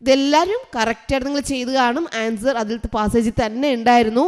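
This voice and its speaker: Higher-voiced woman teacher from Kerala. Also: fast talker, a little mellow. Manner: explains each English phrase in Malayalam, quizzing pupils. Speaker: online tuition teacher. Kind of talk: exam answer walkthrough for children.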